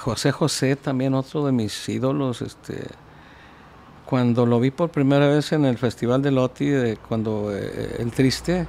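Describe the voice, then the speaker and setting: Dark and mellow in tone, a man speaks at a medium pitch. His pace is fairly slow and his intonation fairly even. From northern Mexico, Nuevo León. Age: 70s. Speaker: singer; interview guest. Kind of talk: interview. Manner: halting, many fillers. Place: studio. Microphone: studio mic.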